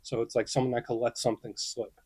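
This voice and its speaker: Young male tarot reader, casual and reassuring, thinks out loud, dry untreated room. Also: medium pitch, flat delivery, fast, husky, no room sound. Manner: chatty and reassuring, thinks aloud with acted-out inner questions. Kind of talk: casual tarot reading to camera.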